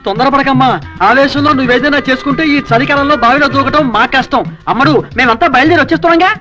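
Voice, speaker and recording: A man's voice: very high-pitched, fast, over music. An actor playing an anxious, pleading father-in-law in a film comedy scene. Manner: pleading, fussing, wordplay. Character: fussy anxious father-in-law, middle-aged man.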